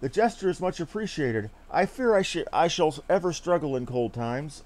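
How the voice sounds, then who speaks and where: Fantasy game diplomat, man playing young earnest nobleman, theatrical formal diction, higher pitch, very animated. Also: moderate pace, close to an everyday voice. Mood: formal, courteous. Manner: declamatory, archaic formal diction. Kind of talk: theatrical read-aloud of fantasy game dialogue.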